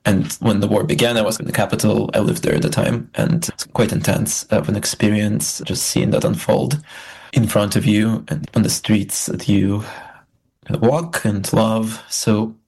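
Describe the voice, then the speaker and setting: A young man who grew up in Belarus speaks as an interview guest, measured and reflective, pausing to find his words. His voice is husky and gravelly, sitting on the lower side. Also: darkish tone. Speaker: guest, student project founder.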